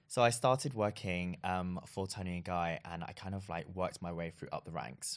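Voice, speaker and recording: Speaking at a moderate pace in a London accent, a man's very deep, low voice shows ordinary pitch variation. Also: hardly any pauses. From London (Shoreditch), England. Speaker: beauty influencer and content creator. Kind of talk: casual interview chat.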